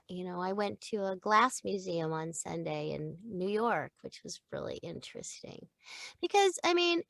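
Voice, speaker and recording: An older woman, a voice actor, chatting about her work in an animated, laughing way from a recording booth. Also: mid-range voice, gravelly, no echo. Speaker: voice actor guest. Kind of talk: casual interview chat. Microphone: studio microphone.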